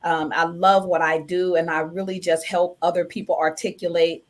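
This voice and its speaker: A woman's voice: on the low side, level tone, normal speed. A woman artist chatting casually as a guest in an informal, enthusiastic way. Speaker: recording artist, poet, guest. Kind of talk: casual chat.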